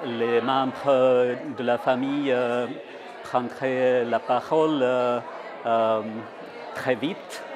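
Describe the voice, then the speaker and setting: A man at a medium pitch speaks very slowly in a monotone, flat delivery with very even loudness and long, frequent pauses. Music plays behind him, and audible room echo surrounds the voice. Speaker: former student of French. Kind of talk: interview testimony. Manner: halting, many hesitations.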